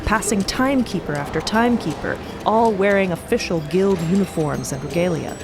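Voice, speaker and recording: A woman's voice: fairly low pitch, lively intonation, fairly quick. A woman narrating a scripted audio drama as a storyteller. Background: music bed.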